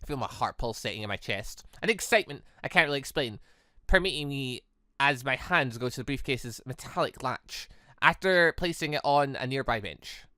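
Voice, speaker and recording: A host reads as a young visual novel hero, earnest and a little wary. The delivery is measured, with a bright tone in a dry recording. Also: medium pitch, expressive, dry recording, voice pushed down. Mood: awed, earnest.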